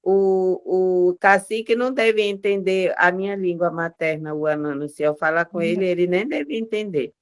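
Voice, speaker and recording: A woman's voice: lowish voice, normal speed, hardly any pauses. A woman whose first language is Wanano, an indigenous artisan and shop owner from the Amazon, speaking proudly about her work over a video call with plain speech and short repeated starts. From Amazonas, Brazil.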